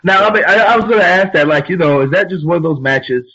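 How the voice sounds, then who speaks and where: A man with a slightly high voice interviews in an informal, chatty way, winding into each question. The audio is somewhat dull and lo-fi. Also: lively intonation, fast, pushed and bright. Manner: informal, wordy lead-ins to questions. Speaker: interviewer, show co-host. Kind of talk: casual conversational interview.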